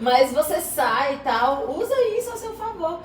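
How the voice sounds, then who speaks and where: Against noticeable background noise and audible room echo, a woman talks in an animated tone with lively intonation. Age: young. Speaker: math teacher. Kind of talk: podcast interview, casual storytelling.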